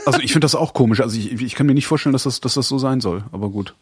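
A man's voice: medium pitch, rapid-fire, husky, no echo, clean studio sound. A man in his forties co-hosting a podcast, chatting casually, rambling and laughing often. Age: 40s. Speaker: podcast co-host. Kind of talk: casual chat.

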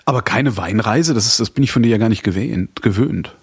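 A man's voice: fairly low pitch, fairly quick, slightly rough, no room sound, clean studio sound. A man in his forties co-hosting a podcast, chatting casually, rambling and laughing often. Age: 40s. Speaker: podcast co-host. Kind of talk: casual chat.

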